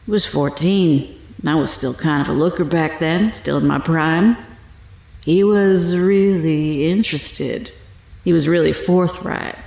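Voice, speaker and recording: Sly older fortune teller killer, lowish voice, drawly and taunting, bit echoey, audio drama. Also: female voice, unhurried, gravelly, darkish tone. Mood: wistful, brazen.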